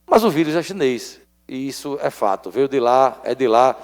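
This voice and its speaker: A man's voice: medium pitch, animated, moderate pace, darkish tone. A man, a state legislator making an emphatic floor speech and repeating his points for stress. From Alagoas, Brazil. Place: legislative assembly chamber. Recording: long reverb of an assembly chamber.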